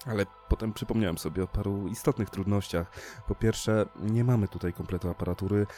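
A man's voice: on the low side, fairly quick, faint music behind, close to an everyday voice. A man voicing a frightened male spaceship crewman who pleads and panics, in an audiobook reading. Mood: guilty. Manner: pleading, rising to panicked shouts.

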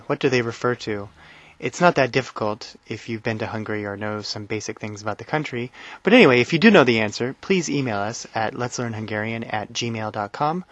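A man hosting a language-learning podcast in a relaxed, friendly way. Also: medium pitch, dry recording, highs cut off. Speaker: podcast host. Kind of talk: casual podcast talk.

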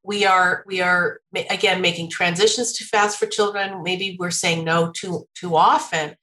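A woman giving parenting advice in a relaxed conversation, laughing often and slipping into a sing-song tone when acting out what parents can say. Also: fairly low pitch, normal speed, rough recording. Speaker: parenting expert guest.

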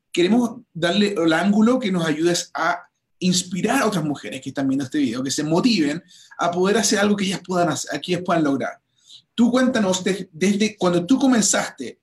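Upbeat man hosting a promo chat. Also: high voice. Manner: enthusiastic, promotional, many restarts. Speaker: host. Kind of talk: livestream interview chat.

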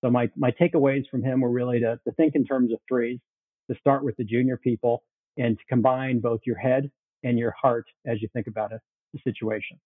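A man in his sixties who grew up in Chicago, answering interview questions with steady, orderly storytelling. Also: medium pitch, a little fast, breathy edge, dry recording. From Chicago, USA. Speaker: guest cofounder. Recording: tinny phone-like line, dry.

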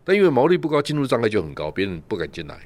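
A Taiwanese man appears as a guest commentator on casual radio, rattling off travel stories in a rapid-fire, sing-song, slightly mellow mid-range voice. The recording is dry, and he keeps sprinkling in rhetorical questions, "right?" and "ha."

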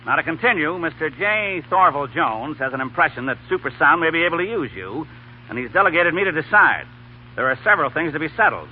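A man's voice: fairly high pitch, big pitch swings, a little fast, narrow, tinny audio. An actor playing a brash, bossy, wisecracking film publicity man in a 1930s radio comedy, cutting in and ordering people around. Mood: bossy, impatient. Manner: domineering, wisecracking, cuts others off. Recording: crackly, thin 1930s radio broadcast.

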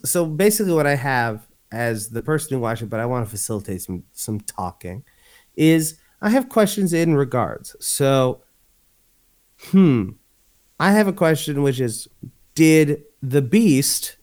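Animated man swearing and laughing in chat. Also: fairly high pitch, a little slow. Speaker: podcast co-host. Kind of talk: casual chat.

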